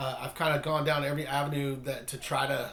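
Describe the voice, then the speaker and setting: With noticeable noise in the background, a man talks somewhat quickly. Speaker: musician and YouTuber. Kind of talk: vlog rant. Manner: fast; hesitant, many fillers.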